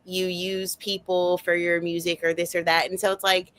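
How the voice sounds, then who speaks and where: A woman with a somewhat low voice in an informal group conversation. She talks as an opinionated book club panelist, in loose everyday phrasing. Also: level tone, moderate pace, a bit bright, a little hiss or hum. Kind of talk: casual chat.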